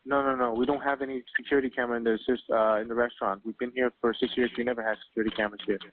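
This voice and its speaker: A male caller speaks on a tinny phone line with plenty of noise. He is flustered and halting, doubling back and repeating himself as he talks to an emergency operator. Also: medium pitch, flat delivery. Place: restaurant, over the phone.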